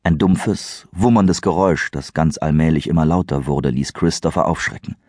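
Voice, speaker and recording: A man narrates a thriller audiobook in a low, husky voice. His reading is measured and suspenseful. The sound is dry and close. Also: darkish tone, dry recording. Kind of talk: scripted narration.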